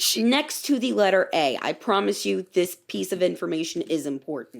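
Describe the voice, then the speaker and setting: Her pitch is fairly low, yet this woman swings it very widely while keeping a moderate pace. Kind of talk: casual storytelling in podcast banter. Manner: animated, sarcastic.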